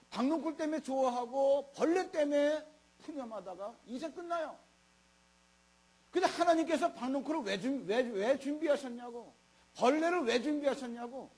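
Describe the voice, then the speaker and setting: A man's voice: very high-pitched, a little mellow. A middle-aged male pastor giving a Sunday sermon in a colloquial, emphatic way, full of rhetorical questions. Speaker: senior pastor. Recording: mains hum.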